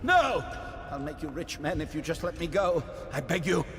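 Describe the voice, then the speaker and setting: A man's voice: fairly high pitch, very animated, normal speed, fairly bright tone, in a large hall. An actor playing a disgraced male regent who confesses his crimes with bitter, scornful self-justification. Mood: panicked. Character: disgraced male regent, scheming, then desperate.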